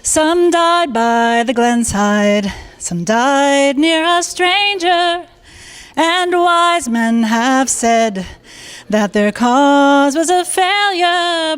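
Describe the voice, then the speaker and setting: A woman singing a folk ballad unaccompanied at a community event, admitting she gets nervous. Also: sits high.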